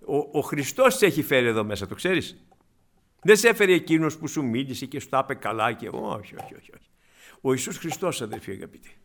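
A man preaching a sermon. He keeps calling the congregation beloved brothers and laughs as he tells his own stories. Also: medium pitch.

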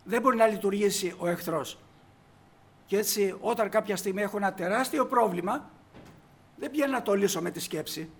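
A man's voice: high voice, fairly bright tone. A man preaching a sermon emphatically, putting rhetorical questions to the congregation.

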